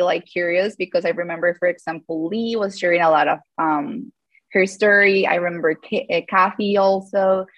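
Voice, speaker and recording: A woman's voice: fairly low pitch, fairly bright tone, dry recording. Hesitant woman in her thirties. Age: 30s. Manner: hesitant, lots of fillers and restarts, laughs often. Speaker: guest, yoga teacher. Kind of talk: casual live-call interview.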